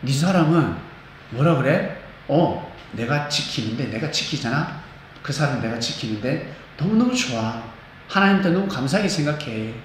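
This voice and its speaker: A man's voice: medium pitch, animated, normal speed, natural voice. A man playing a chatty guardian angel. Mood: fond. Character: chatty guardian angel gossiping about its human. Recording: echoey church hall, faint noise.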